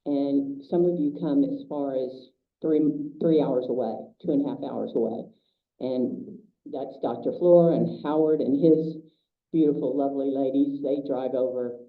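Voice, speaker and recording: Woman host, loud, hesitant, lots of ums; tinny distant room sound. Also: a bass voice, normal speed. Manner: chatty, hesitant with many fillers. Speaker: meeting host. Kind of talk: casual announcements to a small group. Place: meeting room. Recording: tinny, echoey, from far off.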